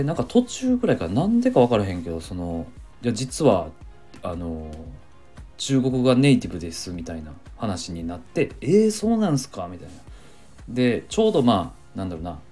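A Kansai-accented man hosts a relaxed solo podcast, his low, mellow voice swinging up and down as he chats. He rambles along with many fillers and small chuckles. Soft music plays faintly behind him. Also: breathy edge. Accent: Kansai Japanese. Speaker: podcast host. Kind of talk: casual solo podcast chat.

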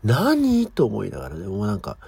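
A middle-aged man hosting his own morning show, chatting casually and with high energy as he tells a story alone. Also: rapid-fire, creaky, mellow, breathy edge, no room sound. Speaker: podcast host. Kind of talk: casual solo morning talk.

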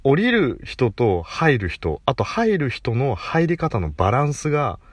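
A man hosting his own casual solo talk show, chatty and animated, laughing at himself as he rambles. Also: medium pitch, a little slow, dry recording. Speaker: podcast host.

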